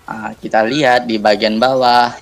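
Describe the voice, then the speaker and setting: A man's voice: mid-range voice, level tone, moderate pace. A man with a speech impediment on his r sounds, commentating live on a game in a casual, chatty way. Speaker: esports caster, streamer.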